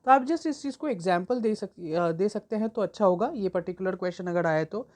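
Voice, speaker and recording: A woman teaching an exam-prep lesson, reading English textbook lines slowly and then explaining them at length. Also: mid-range voice, a little mellow.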